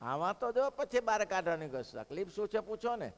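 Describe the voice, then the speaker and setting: A preacher voicing a kindly, reassuring holy master. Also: male voice, high-pitched, sing-song, a little fast. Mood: gentle reassuring. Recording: long hall reverb.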